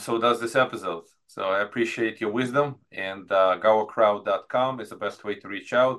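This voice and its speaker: A man speaks in an ordinary speaking voice at medium pitch and a moderate pace, with ordinary pitch variation. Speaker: podcast host. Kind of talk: casual interview chat.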